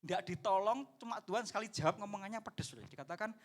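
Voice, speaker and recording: High-voiced pastor preaching animatedly. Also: male voice, fast. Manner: animated preaching, acts out the people in the story; addresses the congregation as "saudara". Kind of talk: sermon.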